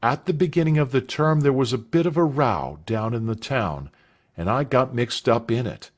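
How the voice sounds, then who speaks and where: A man's voice: mid-range voice, lively intonation, moderate pace, pitched above the performer's own voice, lightly acted. A man reading aloud voices a nervous, earnest teenage schoolboy who speaks hesitantly.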